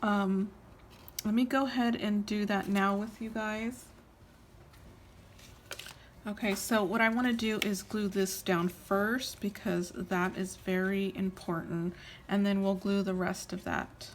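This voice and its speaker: Slow-paced, tired woman giving a craft tutorial. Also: medium pitch, steady tone, a little hiss or hum. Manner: informal, unhurried step-by-step explaining with trailing pauses. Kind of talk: casual hands-on craft tutorial.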